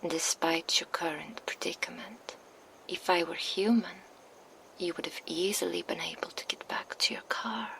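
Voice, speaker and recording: A woman's voice: fairly low pitch, normal speed, creaky, bright, forceful tone, poor audio. A woman voicing a seductive, possessive female vampire in an ASMR roleplay, whispering close to a binaural microphone. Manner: intimate, purring whisper close to the ear.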